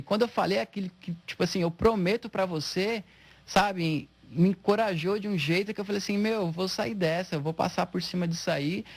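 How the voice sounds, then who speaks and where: Guy in his 30s, gravelly voice, retelling hospital stuff and doing everyone's lines. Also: a little high. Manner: animated, acts out quoted dialogue. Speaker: interviewee, spinal injury patient. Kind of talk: emotional personal storytelling.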